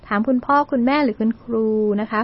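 A woman's voice: on the high side, fairly even intonation, quick pace, breathy edge. Polite woman radio lecturer, lo-fi sound. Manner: polite, with frequent Thai particles, mixing in English terms. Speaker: university learning centre presenter. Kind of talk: educational community radio talk. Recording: dull lo-fi radio recording.

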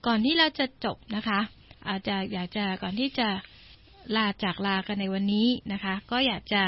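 A woman's voice: mid-range voice, no echo, dull audio. A woman English teacher reading a children's story and patiently explaining each word for her listeners. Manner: patient, explains words one by one. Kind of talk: bilingual storytelling lesson for listeners.

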